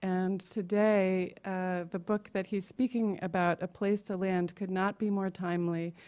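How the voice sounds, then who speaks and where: A woman's dark, mellow voice, monotone and flat, at a fairly slow pace. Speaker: museum educator. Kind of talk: formal introduction. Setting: stage with audience. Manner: halting. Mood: warm, welcoming. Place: hall. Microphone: podium.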